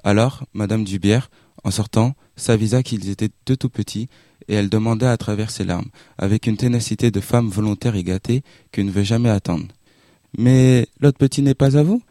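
Low, mellow-voiced male narrator. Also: steady tone, brisk, no room sound, studio quality. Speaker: audiobook narrator. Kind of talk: literary audiobook reading.

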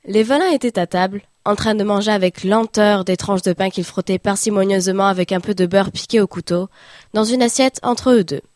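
A woman reading a literary story aloud as an audiobook narrator, in a steady, measured way. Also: medium pitch, no echo, clean studio sound.

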